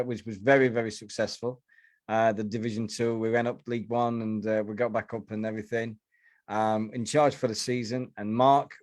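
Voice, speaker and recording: A middle-aged or older man hosting a casual podcast chat in a halting, repetitive way, with slightly slurred speech as if from loose dentures. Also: on the low side, a little mellow, no echo. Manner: halting, repeats and restarts phrases. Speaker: podcast host.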